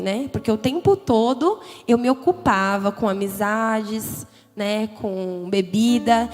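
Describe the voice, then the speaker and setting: A young woman with a higher voice gives a personal testimony at a church youth congress, speaking candidly, conversationally, and emotionally, often adding "né?" tags. The hall echoes with long reverb, and soft music plays faintly in the background.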